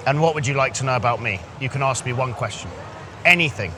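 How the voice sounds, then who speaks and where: A man's voice: medium pitch, fast talker. Male, mid-range, teasing pidgin-style patter, recorded in a noisy street. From London, England. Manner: teasing, simplified broken English for a non-native listener. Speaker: dating coach chatting up women in public. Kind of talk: playful flirty chat. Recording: noisy outdoor street ambience with traffic. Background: traffic and urban noise.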